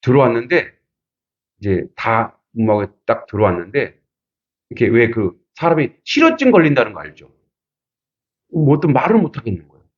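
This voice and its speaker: Male pastor, middle-aged, animated preaching, swooping pitch, muffled recording. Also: normal speed, pauses often, husky. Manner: animated, acts out quotes, laughs often. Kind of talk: sermon with storytelling.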